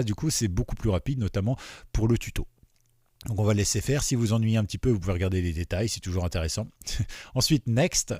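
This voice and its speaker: A man walking viewers through a software installation in a casual, chatty way, often checking in with "d'accord?". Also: fairly low pitch, husky, dry recording, clean studio sound. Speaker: webradio software tutor. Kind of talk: screen-recorded software tutorial.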